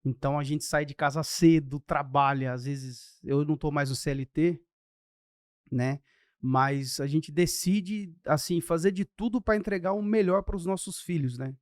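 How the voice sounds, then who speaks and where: A Brazilian man in his thirties, a pastor telling his faith testimony in a podcast interview, lively and acting out the people in his story. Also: a little high, no room sound, studio quality. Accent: Brazilian Portuguese. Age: 30s.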